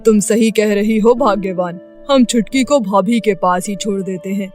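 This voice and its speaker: A woman's voice: mid-range voice, normal speed, darkish tone, faint music behind, close to an everyday voice. Woman playing a humble, kindly village father. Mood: earnest. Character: humble, kindly middle-aged Indian father and his brother. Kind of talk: Hindi cartoon story dubbing.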